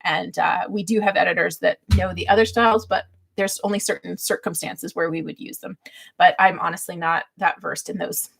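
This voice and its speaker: A middle-aged woman with a slightly husky voice, hosting a casual livestream and teaching in a chatty, light-hearted way. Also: lowish voice, fairly even intonation, moderate pace, a bit bright, a little hiss or hum. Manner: chatty, laughs readily as she talks. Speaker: livestream host giving book-writing tips. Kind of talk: casual livestream teaching talk with chat replies.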